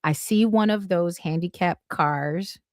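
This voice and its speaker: A middle-aged woman telling a lively story as a guest in a casual podcast chat, with sudden bursts of excitement. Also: lowish voice, unhurried, no echo, studio quality. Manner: animated, vivid retelling with bursts of excitement.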